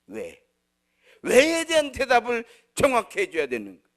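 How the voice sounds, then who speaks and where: A man preaching a sermon as pastor, moving between raised declarations and soft, low asides. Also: huge pitch swings, normal speed.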